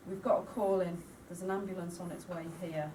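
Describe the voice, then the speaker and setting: A woman's voice: lowish voice, steady tone, a little fast. A woman reading out a draft radio drama informally, giving dialogue and sound cues matter-of-factly. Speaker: writing workshop participant reading out a script. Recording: distant mic in a noisy room.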